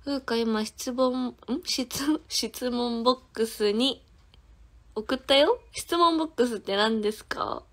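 A woman's voice: fairly high pitch, measured pace. A woman in her twenties with a Kansai accent, chatting casually on a phone livestream, giggling and answering viewers' comments one by one. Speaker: idol singer hosting a livestream.

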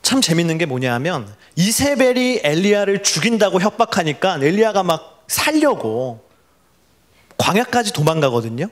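A man's voice: high voice, moderate pace. A young adult man preaching a sermon to college students, telling stories with animation and having the congregation repeat words after him. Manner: animated storytelling, leads the congregation in call-and-response. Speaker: pastor.

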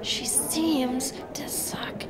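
A woman's voice: sits high, steady tone, very slow, whispered. An actress playing a chatty, grumbling nineteen-year-old girl in an audio drama. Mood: exasperated. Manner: grumbling, casual. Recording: loud background ambience.

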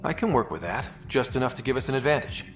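A man's voice: medium pitch, sing-song, quick pace, soft background music, lightly acted. An actor playing a resolute young man who leads a space exploration team in a video game, casual and confident. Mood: resolved.

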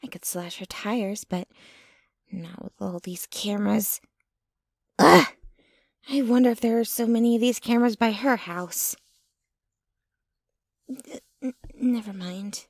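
A woman's voice: mid-range voice, a little slow, pauses often, dry recording, studio quality. A woman playing a jealous, possessive, doting young girlfriend in an intimate, dramatic ASMR roleplay. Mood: upset, scheming. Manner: intimate, dramatic, swinging between ranting and breathy murmuring.

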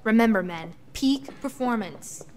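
A woman's voice: fairly high pitch, expressive, measured pace. A woman playing a strict, bossy military team leader in a sci-fi audio drama, giving stern orders.

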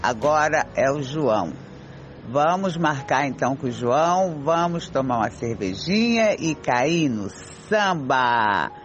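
A man's voice: mid-range voice, expressive, slow. An older Brazilian man playing a self-assured friend rallying the group in an amateur radio soap. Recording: muffled voice clip with faint music.

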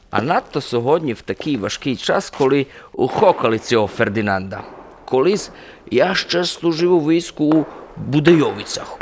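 Radio drama role, male actor: folksy, talkative happy-go-lucky soldier, very animated intonation, rambling anecdotes, slightly noisy recording. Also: mid-range voice, natural voice. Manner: folksy, chatty, rambling storytelling. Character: garrulous, cheerful simple soldier rambling through anecdotes.

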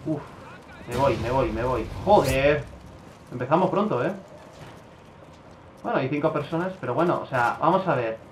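A man from giving casual commentary over his own gameplay, swearing a lot and breaking into loud outbursts. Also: medium pitch, moderate pace, pauses often, reverberant, slight background noise, rough recording. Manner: swears often, bursts into excited outbursts.

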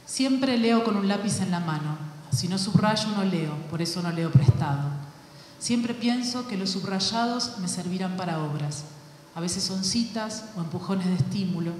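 A woman reads a literary essay to a panel audience. She takes her time and pauses on chosen words. The recording is very echoey, with a long hall reverb and faint background noise. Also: mid-range voice, a little mellow. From Argentina. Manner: measured, literary delivery with deliberate pauses. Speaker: panelist, actress and playwright. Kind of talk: reading a prepared essay aloud. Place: large hall at a panel event.

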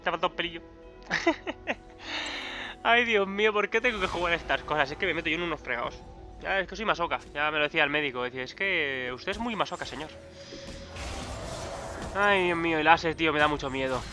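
Young male gaming YouTuber, Peninsular Spanish accent, high voice, game music clearly underneath. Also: fast. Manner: excitable, swearing, frequent loud outbursts. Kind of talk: live gameplay commentary.

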